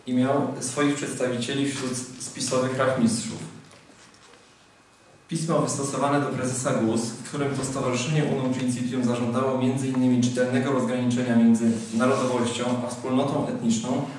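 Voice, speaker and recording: A young man at a lectern in a large hall, reading a prepared speech in a formal, measured way. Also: mid-range voice, a little mellow, slight background noise. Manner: formal, measured delivery from a script. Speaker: speaker at a convention. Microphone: lectern microphone. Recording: very echoey hall, mic at a distance.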